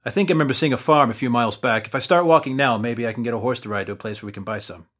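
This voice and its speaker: A man's voice: medium pitch, racing, fairly bright tone. A young man narrating and playing his character in a tabletop game, with a dry, exasperated manner. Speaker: player narrating as main character.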